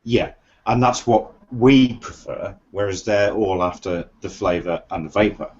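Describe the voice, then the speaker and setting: A man hosting a casual chat, relaxed and matter-of-fact with a dry touch. His voice sits low. The sound is muffled and lo-fi. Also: unhurried. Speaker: host. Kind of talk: casual chat reviewing vape juice. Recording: muffled lo-fi recording.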